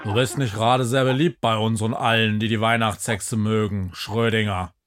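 A man's voice: fairly low pitch, fairly even intonation, moderate pace, a bit bright, a little hiss or hum, natural voice. A man playing a grumbling, sarcastic family father in a comedy radio play.

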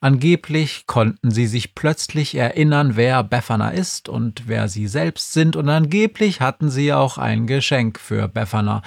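A man narrating a children's audiobook in a wry, deadpan storytelling manner. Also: mid-range voice, vocal fry, no echo, clean studio sound.

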